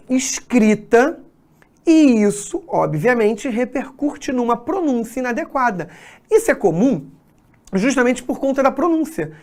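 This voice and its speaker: Lively Rio-woman teacher. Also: a little high. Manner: explanatory, checks in with "ok?" and "né?". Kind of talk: exam-prep grammar lesson.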